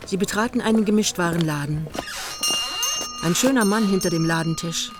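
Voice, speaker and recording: An actress playing a dry, observant storyteller in a literary radio play, narrating in a measured, matter-of-fact way. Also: female voice, on the low side, lightly acted. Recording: music behind the voice.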